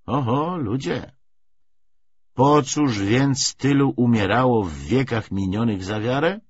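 A man reading as an eager, husky young man. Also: mid-range voice, expressive, takes it slowly, no room sound, muffled recording, pitched above the performer's own voice. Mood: curious. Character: eager, curious young man new to conspiracy. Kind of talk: acted audiobook dialogue.

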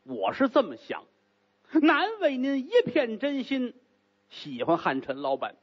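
A man's voice: very high-pitched, huge pitch swings, unhurried, husky, highs cut off, pitched above the performer's own voice, exaggerated voice. A man voicing a nervous male opera actor who stammers and pleads, in a storytelling act. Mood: flustered, pleading.

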